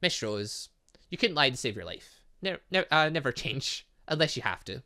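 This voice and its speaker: A man's voice: mid-range voice, very animated, fairly quick, pushed and bright. A man voicing an eccentric, teasing female science professor who talks in formal, flowery phrases. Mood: dry teasing. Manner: flowery, formal phrasing full of odd metaphors.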